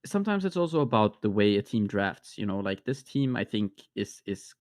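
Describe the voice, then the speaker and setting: A man co-casting a live esports match, speaking haltingly with frequent restarts. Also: lowish voice, sing-song, a little mellow, dry recording, studio quality. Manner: hesitant, many restarts and fillers. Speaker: esports co-caster. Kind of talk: live game commentary.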